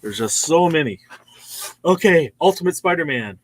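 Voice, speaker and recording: A comic shop host in his sixties talks casually and enthusiastically about new comics in the store, easily impressed. His voice is on the high side and animated, at a normal speed, with slight background noise.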